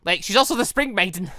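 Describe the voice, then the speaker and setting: A gaming video host giving casual, rambling and excitable playthrough commentary. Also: medium pitch, dry recording, clean studio sound. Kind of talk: casual game playthrough commentary, reading dialogue aloud.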